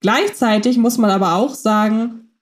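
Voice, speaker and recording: A woman's voice: a little high, normal speed. A woman co-hosting a casual fan podcast, reflecting in long winding sentences full of fillers. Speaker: podcast co-host.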